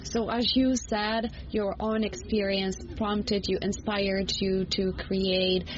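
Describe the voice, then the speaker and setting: A woman's voice: medium pitch, flat delivery, slow. A woman interviewer putting questions and recaps to a guest in a conversational way. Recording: dull sound with faint background noise.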